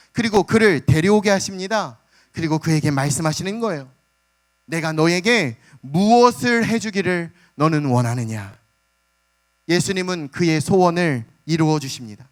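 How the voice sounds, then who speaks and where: A man's voice: high-pitched, a bit bright. A man preaching a sermon as pastor, telling the story with dramatic flair and calling out to the congregation. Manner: dramatic storytelling, acts out the beggar's cries; calls out "hallelujah" and addresses the congregation.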